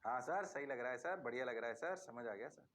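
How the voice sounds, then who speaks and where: A man's voice: mid-range voice, animated, fairly quick, a bit bright, pitched below the performer's own voice, lightly acted. A man voicing a chorus of dutiful male students, meekly agreeing and adding "sir" to every reply. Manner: meek, eager agreeing with "sir" replies.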